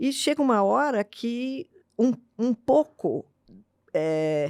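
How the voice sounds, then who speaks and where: A woman speaks at a high pitch with very wide pitch swings and a very slow pace. The sound is dry and close, with no echo. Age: 60s. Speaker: philosophy of education scholar. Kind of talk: interview conversation.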